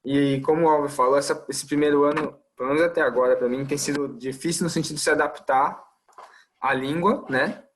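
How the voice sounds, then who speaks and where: A man's voice: on the high side, steady tone, a little fast, slight background noise. Easygoing Brazilian man, thoughtful asides. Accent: Brazilian Portuguese. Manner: thoughtful, many fillers and trailing asides. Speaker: medical resident. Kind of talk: casual podcast chat.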